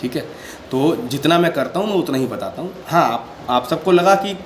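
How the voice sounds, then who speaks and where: A man's voice: fairly high pitch, expressive, normal speed. Earnest man talking in an echoey room. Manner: earnest, defensive, explaining at length; often repeats "ठीक है" to check in with listeners. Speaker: devotional channel host. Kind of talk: casual devotional talk to viewers. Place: sitting indoors. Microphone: handheld phone without stand. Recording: echoey room with faint background noise.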